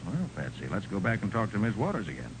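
An actor playing a brisk, stubborn, confident private detective in a 1940s radio drama, decisive and questioning. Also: male voice, lowish voice, huge pitch swings. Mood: brisk, probing. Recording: noisy 1940s radio recording.

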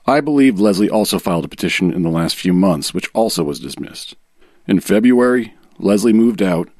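A man reading a legal declaration aloud in a formal, measured way, as a guest reader. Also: sits low, darkish tone, no echo, clean studio sound. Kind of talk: dramatic reading of a legal affidavit.

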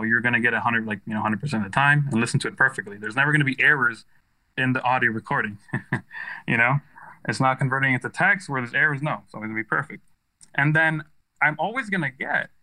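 A man's voice: medium pitch, fast, bright, forceful tone, rough recording. An American man giving casual, enthusiastic and emphatic explanations as an interview guest, often adding "you know". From United States. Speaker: tech startup founder, interview guest.

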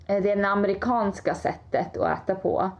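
A woman's voice: medium pitch, expressive. A woman in casual chat, giving her opinions in a down-to-earth way. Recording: dull lo-fi sound.

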